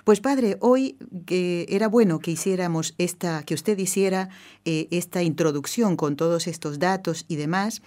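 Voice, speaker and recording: A woman's voice: lowish voice, moderate pace, a little mellow. Argentine woman hosting a radio interview. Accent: Argentine Spanish. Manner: affirming, eager interjections. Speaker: radio host.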